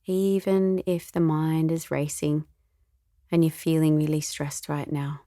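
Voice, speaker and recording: A woman meditation teacher leading a guided meditation in a soothing, gentle, unhurried way, with a soft voice that turns breathy at times. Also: sits low, little pitch movement, no room sound, studio quality.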